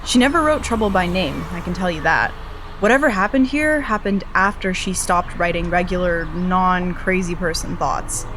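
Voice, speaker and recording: A woman's voice: lowish voice, normal speed, background noise, close to an everyday voice. An actress playing a dry, skeptical woman investigator in a naturalistic audio drama, speaking in a wry, clipped way. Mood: wry, intent.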